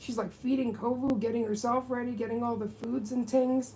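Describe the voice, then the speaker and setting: At a moderate pace, a woman uses an ordinary speaking voice with a fairly high pitch. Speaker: nail technician. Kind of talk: casual chat while working. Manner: chatty, filler-heavy.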